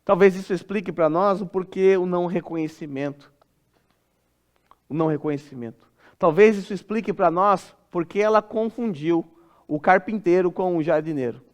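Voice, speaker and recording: A man with a Brazilian Portuguese accent preaching an expository sermon in a church, expressive and dropping soft and low when he acts out a parent speaking. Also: normal speed. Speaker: pastor.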